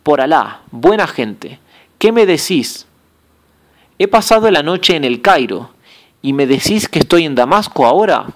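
Male narrator playing a young storybook hero, bewildered and indignant, pleading questions, pitched up. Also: big pitch swings, measured pace.

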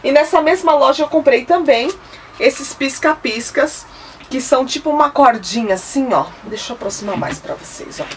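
Chatty Brazilian woman vlogger, raised pitch. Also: moderate pace. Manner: chatty and enthusiastic, holding items up to the camera. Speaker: home decor vlogger. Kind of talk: casual product haul chat. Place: indoor room, seated at home. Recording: slightly distant mic, faint hiss.

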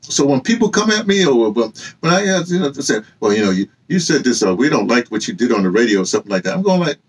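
An older man with an American accent and a husky voice, giving an emphatic, off-the-cuff opinion monologue to camera in a small room. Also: medium pitch, quick pace. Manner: animated, emphatic, rhetorical questions, gesturing. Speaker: vlogger and activist commentator. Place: small cluttered indoor room with books and hanging fabrics.

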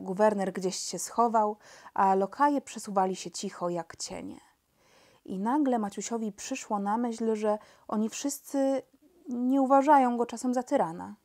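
A woman narrating a children's audiobook with expressive storytelling. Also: mid-range voice.

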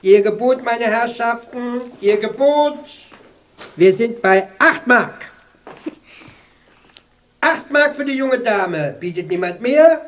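An actress playing a formal female auctioneer in an audio drama, calling out lots and bids in a measured, drawn-out way. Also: on the high side, lively intonation. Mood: encouraging, formal. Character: brisk, formal female auctioneer running an estate sale.

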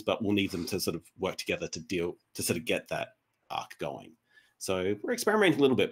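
A man's voice: sits low, husky. A man talking conversationally as a panel guest, explaining things in a rambling, self-correcting way over a video call. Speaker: panel guest, podcast director. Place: indoor room on a video call.

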